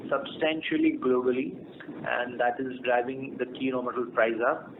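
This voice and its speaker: A man with an Indian accent speaking as a company executive on an earnings conference call, explaining in a halting way. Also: mid-range voice. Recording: tinny phone line with clear noise.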